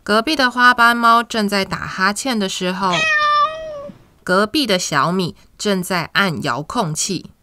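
A woman with a Taiwanese Mandarin accent hosts a children's story show, reading a picture book as if to a toddler in a sing-song way, with drawn-out words and questions to young listeners. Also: medium pitch, noisy background. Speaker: children's storytelling podcast host. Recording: music behind the voice. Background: instrumental music.

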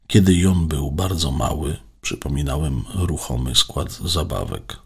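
A man voicing a gentle, modest and earnest caretaker robot who speaks politely. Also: extremely low pitch, measured pace, vocal fry, slightly rough, exaggerated voice. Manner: polite, conscientious.

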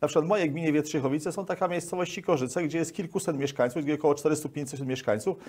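A man's voice: fairly high pitch, fast talker, darkish tone, slightly rough. A Polish man in his sixties answering interview questions as an official, wordy and repeating words mid-sentence, on a lapel microphone. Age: 60s. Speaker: guest, local government official.

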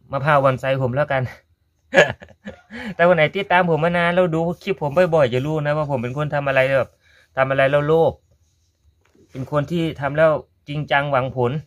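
A man with a Korat Thai accent, talking viewers through a gardening task in a casual how-to vlog and addressing them as brothers and sisters. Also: on the high side. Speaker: gardening vlogger.

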